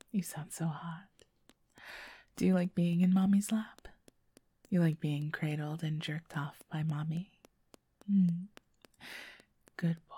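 A young woman in an intimate audio roleplay, talking softly and coaxingly and often whispering close to the microphone. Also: on the low side, breathy edge, no echo.

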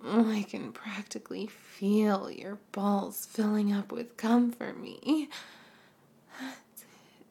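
A woman in a whispered adult ASMR roleplay, speaking close to the microphone in a breathy, coaxing hush broken by soft hums. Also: medium pitch, steady tone. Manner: slow, coaxing, intimate delivery.

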